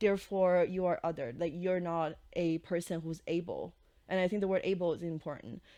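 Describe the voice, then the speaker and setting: Speaking with an American accent, a woman has a fairly low pitch and a dark, mellow tone. She talks at a fairly quick pace with fairly even intonation against a quiet background. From China, then US from age ten. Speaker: podcast host. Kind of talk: casual chat.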